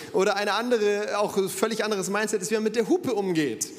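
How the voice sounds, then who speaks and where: Over noticeable background noise, a man with a high pitch speaks in an animated tone at a very fast pace, his pitch varying in an ordinary way. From Cameroon (Yaoundé). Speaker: guest preacher. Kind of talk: sermon. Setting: church with congregation.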